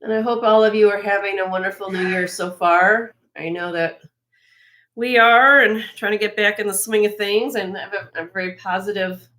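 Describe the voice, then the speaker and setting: A woman with a slightly raspy voice hosting a live jewelry sale, chatting casually and admiringly as she shows each piece, with frequent fillers and restarts. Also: medium pitch, steady tone, moderate pace, fairly bright tone. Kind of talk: casual show-and-tell product presentation.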